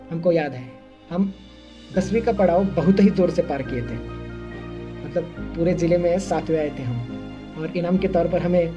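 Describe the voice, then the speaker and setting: Close to his everyday voice, which sits on the high side, a young man from Uttar Pradesh, India, performs a scripted monologue on lo-fi sound. He is cast as a shy, earnest village engineering student, speaking hesitantly with lots of fillers and a wry, self-mocking streak.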